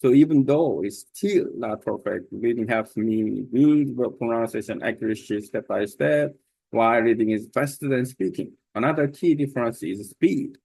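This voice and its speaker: Korean-accented man, mid-range voice, reads his script aloud slowly and carefully, dry close sound. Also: mid-range voice, gravelly, a little mellow, husky, no echo, rough recording. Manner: careful, deliberate reading with small slips. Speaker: language learner sharing his study method. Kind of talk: reading a prepared text aloud.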